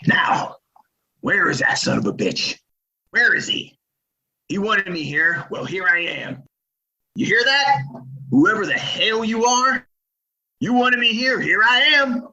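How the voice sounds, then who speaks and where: Ruthless Old West outlaw colonel played by a man, forceful. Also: high voice, sing-song, slow pace, pauses often, dull audio, full character voice. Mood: enraged taunting. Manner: folksy frontier drawl phrasing, threatening. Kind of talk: Western audio drama acting.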